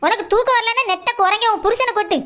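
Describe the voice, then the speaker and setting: An aggrieved, mischievous cartoon woman with an extremely high, piercing voice. She complains at a quick clip, whining. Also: fairly bright tone. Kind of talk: cartoon dub dialogue.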